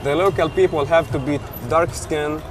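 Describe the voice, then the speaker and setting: A man's voice: a little high, fairly even intonation, moderate pace. Man, from Jerusalem, broken English, earnest, outdoor noise. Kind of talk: interview answers.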